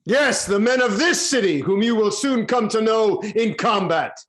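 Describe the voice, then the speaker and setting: A man's voice: high voice, animated, normal speed, fairly bright tone. An actor playing a proud, commanding king in a Greek tragedy reading, speaking with stern, declamatory authority. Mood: defiant. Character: proud, commanding king defending suppliants of his city. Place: online video-call reading.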